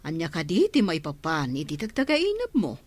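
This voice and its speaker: A woman's voice: deep voice, wildly swooping pitch, normal speed, darkish tone, exaggerated voice. A practical, teasing radio-drama mother. Her voice rises and falls with plenty of life as she pokes holes in her daughter's daydream. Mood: skeptical.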